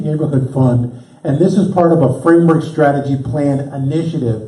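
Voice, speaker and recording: The speech shows ordinary pitch variation, with noticeable background noise and audible room echo. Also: man. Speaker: city planning director. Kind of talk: public presentation. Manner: loud.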